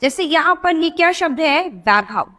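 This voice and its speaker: A woman teaching young children a reading lesson. She asks questions and answers them herself, and she stretches out words slowly to show the sounds. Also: sits high, lively intonation, bright, forceful tone.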